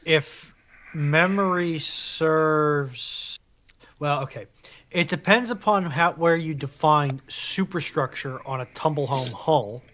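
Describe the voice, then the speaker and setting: A man chatting as a livestream panelist, speaking haltingly and qualifying his points with careful pauses. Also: a little high, fairly bright tone. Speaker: livestream co-panelist and chat moderator. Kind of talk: casual panel chat.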